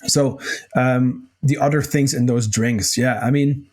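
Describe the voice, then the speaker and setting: A man hosting a nutrition podcast, answering listener questions in a casual, loose way, a little hoarse, with plenty of fillers and the odd swear. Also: mid-range voice, steady tone, unhurried, a little mellow. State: slightly hoarse, clears throat. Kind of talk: casual solo Q&A talk.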